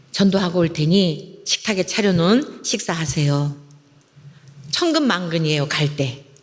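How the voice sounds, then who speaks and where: Fairly low for a woman, her voice has an animated tone and ordinary pitch variation, moving at a fairly slow pace with audible room echo. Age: 60s. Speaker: pastor. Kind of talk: sermon.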